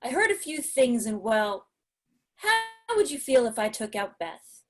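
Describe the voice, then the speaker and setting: A woman playing an awkward high school teacher in an amateur table read, speaking haltingly and hesitantly. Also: very animated, soft background music.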